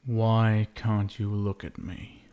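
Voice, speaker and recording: Man playing a very slow-talking possessive vampire husband. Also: lowish voice, little pitch movement, smooth. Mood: soothing, possessive. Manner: soft coaxing endearments, lingering deliberate pauses. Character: possessive vampire husband, sinister, doting, coaxing captor. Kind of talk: intimate ASMR roleplay.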